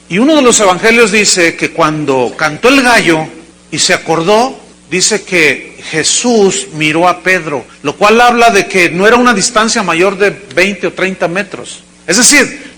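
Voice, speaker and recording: A male pastor delivering a sermon to a congregation, with dramatic acted quotes and sudden shouts. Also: high-pitched. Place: church service before a congregation.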